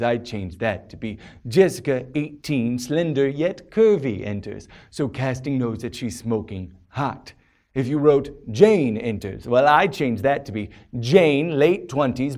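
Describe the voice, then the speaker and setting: Smug male screenwriter for sketch comedy, acted by a man: mid-pitched, self-satisfied, instructive awards-speech delivery. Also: a little mellow, close to an everyday voice. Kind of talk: comedy character monologue.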